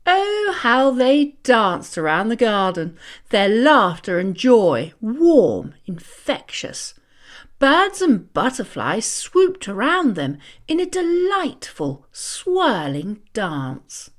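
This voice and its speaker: A woman reads a children's story aloud. Her voice is fairly high and highly animated, and she takes her time over each phrase in a theatrical way. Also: takes it slowly. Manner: theatrical, expressive. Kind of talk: scripted storybook narration.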